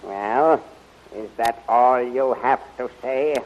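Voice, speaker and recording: An actor playing a smug, mocking palace villain in a 1930s radio serial, suave and taunting. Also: male voice, medium pitch, slow. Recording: muffled, noisy 1930s radio recording.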